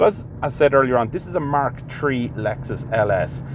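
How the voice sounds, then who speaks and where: A quiet man with an Irish accent speaks at a medium pitch. Noticeable background noise can be heard. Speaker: car reviewer. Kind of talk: car review while driving. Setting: in a car. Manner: hushed.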